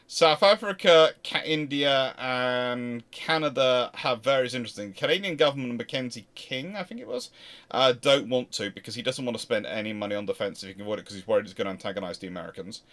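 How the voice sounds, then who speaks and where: In a mid-range, fairly bright voice with lively intonation, a British man talks fast while answering viewer questions as host of a casual history livestream. He rambles emphatically and frequently interrupts himself.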